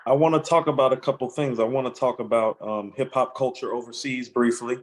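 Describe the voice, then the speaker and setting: Brief: male interview host, mid-pitched, relaxed and conversational, rambles a bit into his questions. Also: fairly quick, poor audio. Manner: conversational, winding questions with "you know" fillers. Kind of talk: casual interview talk.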